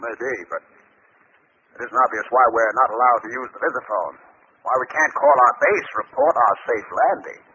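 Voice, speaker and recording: Radio space captain, male actor: wary, firm, piercingly bright tone, lo-fi 1950s recording. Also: medium pitch, normal speed, a little hiss or hum, close to an everyday voice. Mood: wary, challenging. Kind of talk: 1950s radio drama acting.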